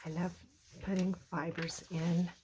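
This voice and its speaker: A middle-aged woman with a hoarse, croaky voice, casually showing handmade journals. She talks softly and often slips into a whisper. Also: on the low side, flat delivery, measured pace, slight background noise. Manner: soft-spoken, often drops to a whisper. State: hoarse, recovering from a cough. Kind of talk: casual show-and-tell narration.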